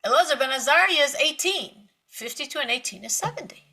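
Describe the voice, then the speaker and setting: A woman giving a spiritual Torah lecture, telling stories with lively emphasis, repeating words and laughing lightly between points. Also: high voice, brisk. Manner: animated storytelling with emphatic repetition. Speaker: Torah teacher.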